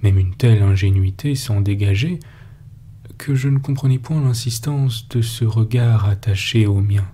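A man narrating an audiobook story in a measured, steady storytelling manner. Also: on the low side, slight background noise. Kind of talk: scripted narration.

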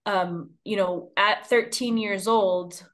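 A woman's voice: medium pitch, steady tone, slow pace, a bit bright. A woman in her thirties from the United States, a journalist giving a long, earnest interview answer over a video call from a room at home. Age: 30s. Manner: earnest, fluent, impassioned. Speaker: guest, journalist.

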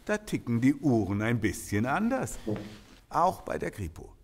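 A man's voice: medium pitch, sing-song, moderate pace, slight background noise. A man playing an easygoing small-town police detective in an audio drama, speaking in a familiar, colloquial way. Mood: easygoing, teasing. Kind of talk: German audio drama acting.

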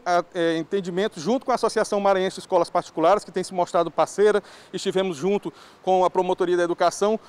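Fast-talking man with high, smooth voice. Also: a little mellow. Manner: quick, formal, slightly halting. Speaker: parents' association president. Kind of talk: news interview soundbite. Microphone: handheld reporter mic.

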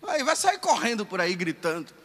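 A man, a priest, giving a lively, conversational sermon and voicing the people he quotes. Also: sits high, normal speed, long reverb tail.

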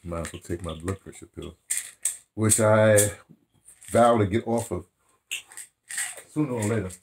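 An American man in his seventies with a husky voice, reminiscing casually to camera in a halting, digressive way, correcting himself as he goes. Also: fairly low pitch, noisy background. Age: 70s. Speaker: theatre director and radio dramatist recounting his career. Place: small furnished room indoors.

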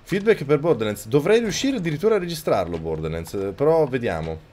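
A man streaming a video game live, talking close to his microphone, yelling and swearing at the game and thanking viewers. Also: mid-range voice, big pitch swings, a little fast, slight background noise. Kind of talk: live gameplay commentary. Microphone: microphone very close to the mouth.

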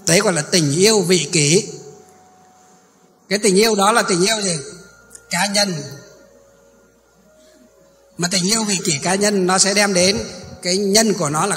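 A man's voice: high voice, fairly bright tone. A Buddhist monk giving a sermon, often asking his listeners questions and answering them himself. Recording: long reverb in a hall.

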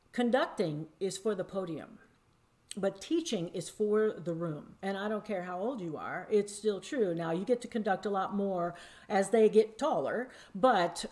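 A veteran woman music teacher talks on a video call from her home office, her pitch sitting in the middle of the range. She speaks emphatically and plainly, like someone who has spent decades running rehearsals. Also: darkish tone. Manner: emphatic, folksy teacher talk. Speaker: music educator panelist. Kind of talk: video call panel discussion. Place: home office with shoji screen. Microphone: video call webcam.

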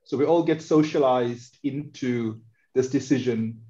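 A man in a casual group discussion on a video call, talking in a measured way with many fillers. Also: medium pitch, mellow. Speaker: meetup participant. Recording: dull lo-fi video call audio.

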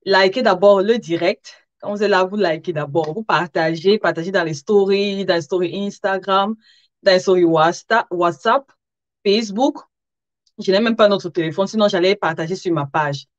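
A woman presents a live online interview in an informal, chatty way, with a slightly tired edge. She addresses her viewers directly. The sound is dry and a bit lo-fi, with an average-pitched voice. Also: normal speed, dry recording. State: somewhat tired. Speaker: live interview host, sewing content creator. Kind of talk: casual livestream chat with viewers. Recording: dull, lo-fi livestream audio.

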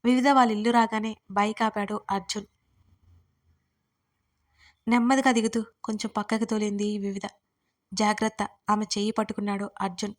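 A woman narrating a teen romance audio story in an even storytelling manner. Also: medium pitch, a little fast, pauses often. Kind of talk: scripted narration.

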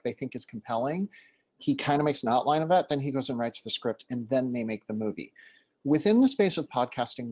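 Medium-pitched man talking on a panel. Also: darkish tone. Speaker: panelist, podcast creator. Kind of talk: casual panel discussion. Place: indoor room, video call.

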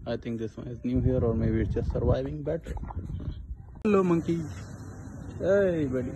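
A man's voice: mid-range voice, fairly even intonation, normal speed. Young South Asian man vlogging, noisy outdoor audio. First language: Hindi-Urdu. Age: young adult. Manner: chatty, talks to the animals. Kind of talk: casual zoo vlog chat. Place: outdoor zoo. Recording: noisy outdoor phone recording.

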